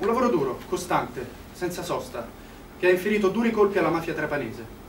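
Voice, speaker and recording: A man speaks at a very fast pace, with light background noise and audible room echo. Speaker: actor reading. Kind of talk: dramatic staged reading. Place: stage. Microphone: camera far.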